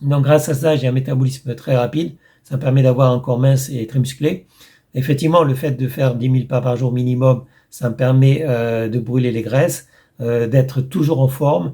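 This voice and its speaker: A man speaks at a moderate pace in a medium-pitched voice with a dark, mellow tone. His delivery is somewhat breathy, and his intonation stays fairly even. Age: 60s. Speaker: video blogger. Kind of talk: casual reaction commentary. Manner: halting, many hesitations.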